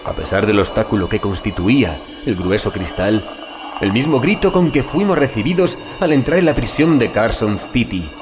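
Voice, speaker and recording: Deep-voiced man acting as a shaken horror-story narrator. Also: animated, noisy background, close to an everyday voice. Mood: tense, horrified. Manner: grave, literary, deliberate phrasing. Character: shaken male witness recounting a grim execution. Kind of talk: dramatic horror audiobook narration. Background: music behind the voice.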